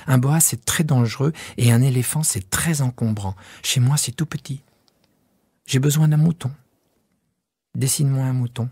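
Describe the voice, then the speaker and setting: A man voicing a small, curious boy prince in an audiobook, with soft, breathy, husky tones and wondering, gently insistent questions. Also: mid-range voice, moderate pace, no room sound, voice pushed up. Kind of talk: audiobook character voice.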